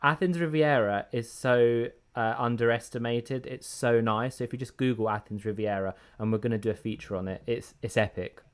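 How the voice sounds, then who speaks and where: A man's voice: mid-range voice, a little fast, hardly any pauses, clean tone. A man with an English accent, raised in Greece, co-hosting a travel podcast in an easygoing, casual chat. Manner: easygoing, relaxed fillers. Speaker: podcast co-host.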